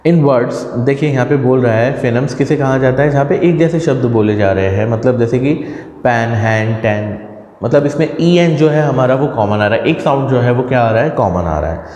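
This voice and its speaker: A man's voice: medium pitch, normal speed, darkish tone. An Indian man, a college teacher, lecturing a class step by step, asking and answering his own questions and correcting his slips. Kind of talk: classroom lecture mixing Hindi and English. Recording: echoey room with long reverb.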